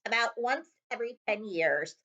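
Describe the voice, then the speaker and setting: A woman's voice: on the high side, expressive, normal speed, pushed and bright, dull audio, voice pushed up. A woman voicing a terse, officious male goblin who guides visitors through a bank in a storybook. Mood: smug.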